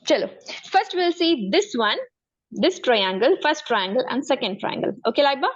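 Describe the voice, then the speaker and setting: On a muffled recording, a woman with a high, lively voice and a South Asian accent teaches maths one-on-one at a moderate pace. The session is interactive; she encourages her student and keeps checking their understanding.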